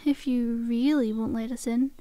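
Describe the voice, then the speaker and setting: A woman's voice: fairly high pitch, steady tone, normal speed, mellow, dry recording, natural voice. A woman playing a cheeky, cajoling undead zombie girl in an ASMR roleplay, with a casual, teasing, conversational delivery. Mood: smug, teasing.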